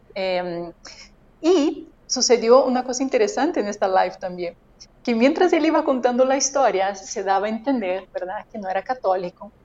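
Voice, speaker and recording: Speaking at a moderate pace, a woman uses a high pitch and lively intonation with a Brazilian accent. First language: Portuguese (speaking Spanish). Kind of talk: casual interview. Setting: video call.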